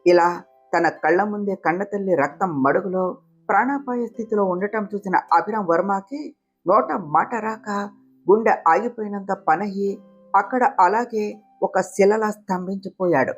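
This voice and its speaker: A woman narrates a dramatic story at a steady pace, in a voice of middle pitch. The recording is slightly muffled, and soft guitar music plays beneath her voice. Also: unhurried, husky.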